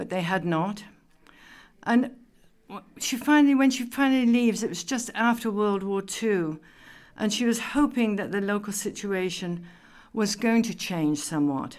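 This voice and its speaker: A woman talks at a moderate pace and medium pitch with ordinary pitch variation. Long, frequent pauses break up her speech. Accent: American. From Florida. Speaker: historian. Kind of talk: interview. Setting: live event venue. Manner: halting.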